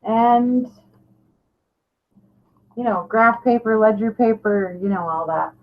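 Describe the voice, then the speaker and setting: A woman's voice: on the high side, slow pace. A middle-aged woman chatting casually and ramblingly to viewers as a craft vlogger, informal, self-deprecating and a little salty. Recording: dull lo-fi sound, clear background noise.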